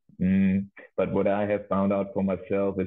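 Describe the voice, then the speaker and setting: His pace is fairly slow. This man talks with a German accent. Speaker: voice actor. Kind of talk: interview.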